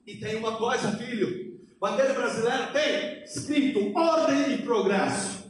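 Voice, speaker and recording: Male missionary preacher, Polish accent, halting non-native Portuguese, high voice, emphatic sermon delivery, heavy room echo. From Poland. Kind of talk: impassioned church sermon. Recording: very echoey hall, distant, faint noise.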